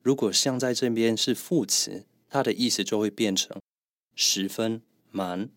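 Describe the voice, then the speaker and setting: A man co-hosting a podcast as a German teacher, calmly and methodically explaining pronunciation. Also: lowish voice, unhurried, no echo, studio quality. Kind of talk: podcast language lesson.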